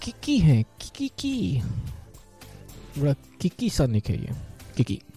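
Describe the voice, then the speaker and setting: A man's voice: fairly high pitch, very animated, moderate pace, warm tone. A man hosting an online radio show, chatting casually and affectionately with listeners, often laughing and slipping into English. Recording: faint music underneath.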